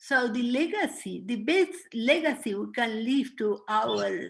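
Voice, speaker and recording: The speaker is a woman with an Argentinian accent. Her pitch is high. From Argentina. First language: Spanish. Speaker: student. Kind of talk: symposium discussion. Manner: halting.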